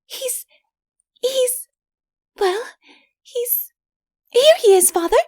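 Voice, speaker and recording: A woman playing a high, breathy young princess. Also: extremely slow, no room sound, studio quality, full character voice. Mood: excited, eager. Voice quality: soft, breathy. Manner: gentle, coaxing. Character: sweet, eager young princess, devoted daughter. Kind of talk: audiobook character voice.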